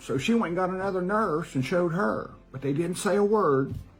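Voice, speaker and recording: A man speaks at a moderate pace with very wide pitch swings. Audible echo fills the room around him. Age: 70s. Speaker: testimony giver. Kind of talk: testimony. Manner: halting.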